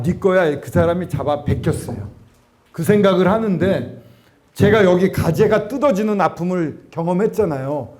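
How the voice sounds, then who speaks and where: High-voiced man preaching a lively sermon. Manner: animated storytelling, acting out quoted voices. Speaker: preacher at student gospel camp. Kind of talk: sermon with personal story.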